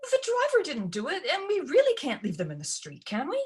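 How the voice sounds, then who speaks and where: A woman's voice: high voice, huge pitch swings, a little fast, voice pushed up. A woman voicing a fretful, flustered widowed stepmother in a storybook reading, faltering and fussy.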